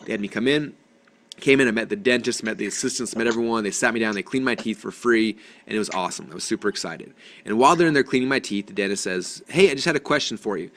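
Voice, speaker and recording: A man's voice: on the low side, quick pace, a bit bright, a little hiss or hum. A man presenting a business webinar, eager and chatty, often restarting phrases and acting out little dialogues. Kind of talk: energetic business webinar talk.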